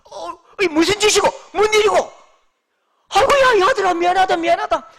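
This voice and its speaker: A man voicing Jesus as a man speaking loudly in a dialect. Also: a little fast. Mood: apologetic. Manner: loud, exclamatory, high-pitched.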